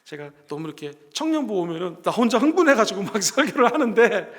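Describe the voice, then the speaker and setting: A middle-aged male pastor giving a lively sermon to a youth service, acting out little dialogues and having the congregation repeat words after him. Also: high-pitched, fast talker. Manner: animated, acts out dialogue in voices, shouts key lines. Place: church sanctuary. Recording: reverberant church hall.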